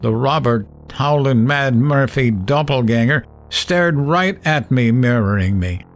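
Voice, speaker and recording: A man's voice: mid-range voice, unhurried, natural voice. An actor playing a terrified middle-aged late-night radio host, narrating his horror ordeal in a dramatic first-person audio drama style. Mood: dread.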